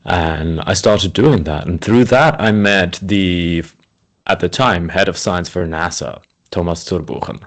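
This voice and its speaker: A man from Switzerland talks as an interview guest in a low-pitched voice. His delivery is conversational, like someone answering a host's questions. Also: measured pace. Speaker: interview guest, speakers' agent.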